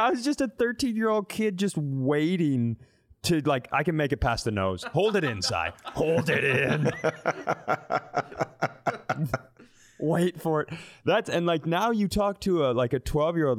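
A man's voice: on the high side, expressive, normal speed. A man in his thirties talks as a comedy podcast co-host. He tells stories in a loose, conversational way, blunt and sweary, and slips into quoted lines to act them out. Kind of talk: animated casual comic storytelling.

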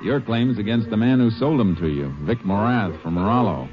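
An actor playing a calm, shrewd Texas Ranger in a 1950s radio western, speaking in a terse, matter-of-fact way. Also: male voice, lowish voice, normal speed, close to an everyday voice. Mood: firm, businesslike. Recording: dull old 1950s radio recording.

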